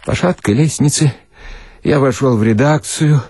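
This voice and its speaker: A man narrating a story theatrically in the first person, expressive, with deliberate pauses. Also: medium pitch, husky. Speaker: narrator and actor.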